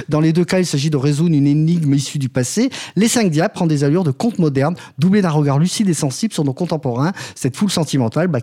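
A man's voice: fairly high pitch, warm tone. A man presenting a prepared film review on a radio show, with a few hesitations. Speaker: film critic.

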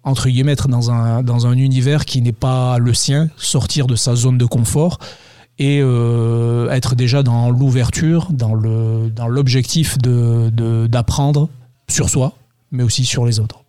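A man who teaches English, giving measured interview answers with frequent restarts. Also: mid-range voice, fairly even intonation, warm tone, smooth, no echo. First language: French and Arabic. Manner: measured, many restarts and hedges. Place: high school.

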